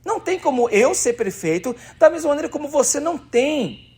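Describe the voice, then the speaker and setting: A man's voice: very high-pitched, very animated, brisk, darkish tone. A man preaching a sermon in church, conversational and emphatic, asking the congregation questions. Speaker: pastor.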